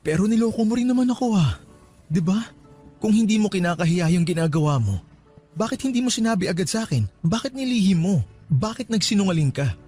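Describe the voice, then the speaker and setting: A lovestruck young man in a radio love drama. His voice is slightly high and husky, pleading and insistent, with a mellow edge. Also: animated, quick pace, soft background music. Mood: accusing, hurt. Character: earnest, lovestruck young man begging for another chance. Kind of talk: radio romance drama acting.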